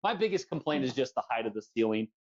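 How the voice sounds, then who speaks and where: A man's voice: medium pitch, big pitch swings, fast, muffled recording, over a noisy crowd. A man hosting a casual livestream while tinkering, with a jokey manner and frequent easy laughter. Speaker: livestream host. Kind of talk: casual chat while working on bikes. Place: basement room at home.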